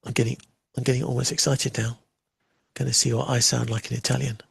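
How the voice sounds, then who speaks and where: A man hosting a live software demo, chatting casually and making wry asides while he waits. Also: mid-range voice, level tone, brisk, creaky, breathy edge, no room sound, studio quality. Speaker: livestream host demoing software.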